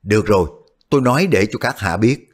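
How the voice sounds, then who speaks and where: A man doing a plump, smooth-talking, sly elder disciple from an audio wuxia tale. He soothes and bargains, his voice rising and falling. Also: on the low side, animated, brisk. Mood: placating. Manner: smooth, placating. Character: fat, outwardly gentle, cunning male elder disciple.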